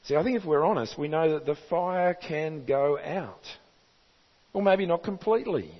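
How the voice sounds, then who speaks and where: A man's voice: a little high, lively intonation, normal speed. An Australian man preaching a sermon as pastor, earnest and emphatic, asking his listeners rhetorical questions. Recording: reverberant hall, dull sound.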